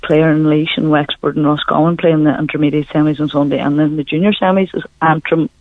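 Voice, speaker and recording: A woman's voice: sits low, fairly even intonation, fast, no room sound. Thin dry phone audio, woman, Donegal accent, sports analysis, conversational, colloquial wording. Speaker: sports pundit. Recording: thin phone line, dry, band-limited.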